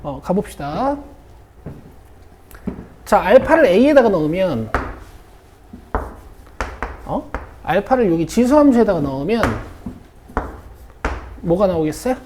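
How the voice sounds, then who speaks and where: A woman's voice: medium pitch, sing-song, slow pace, long pauses, dark tone, slight background noise. A woman math teacher leading a classroom lesson, who keeps checking in with her students as she works through a problem. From South Korea. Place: academy classroom.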